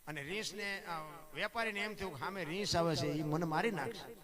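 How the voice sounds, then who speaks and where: A man telling folk stories and giving moral talk to a live audience, animated, often calling his listeners "bapu" and posing rhetorical questions. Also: on the high side, brisk. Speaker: dayro folk storyteller. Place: live stage event before a seated audience. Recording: live crowd audible behind voice.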